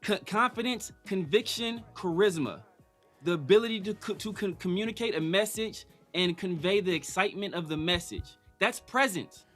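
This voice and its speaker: Emphatic, bright-voiced man arguing sports. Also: high-pitched, normal speed, faint music behind. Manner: emphatic, argumentative, talks over co-host. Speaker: podcast host. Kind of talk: casual sports talk.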